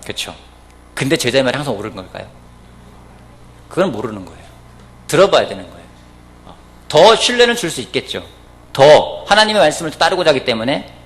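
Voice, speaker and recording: A man's voice: fairly quick, pauses often. A man preaching a weekday church sermon, telling stories and acting out the people he quotes. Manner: storytelling, acting out quoted voices, lively pitch. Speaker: pastor. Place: church service.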